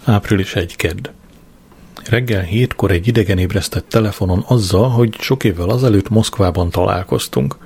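A man's voice: deep voice, a little mellow, husky, faint music behind. A man reading a diary-style audiobook in a dry, matter-of-fact way. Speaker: audiobook narrator. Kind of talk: scripted diary narration.

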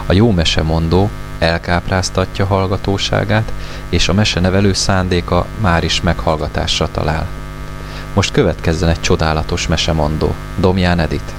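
A man's voice: low voice, fairly even intonation, over music. A male announcer introducing the next storytelling programme in a formal manner. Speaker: radio announcer. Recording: recording with mains hum.

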